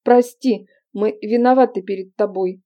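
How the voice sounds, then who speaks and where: A woman voicing a steady young man, a twin, who speaks in an earnest, apologetic way, in an audiobook. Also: mid-range voice, moderate pace, close to an everyday voice. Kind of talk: audiobook character reading. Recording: dull lo-fi recording.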